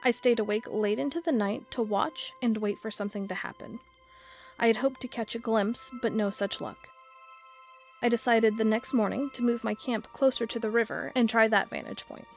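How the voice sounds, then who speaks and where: Woman acting amateur cryptid hunter, earnest, slightly high voice, measured narration, storytelling, audio drama. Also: creaky, faint music behind. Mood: earnest, reflective. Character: earnest female cryptid blogger, awed amateur monster hunter. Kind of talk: first-person article read aloud as audio drama.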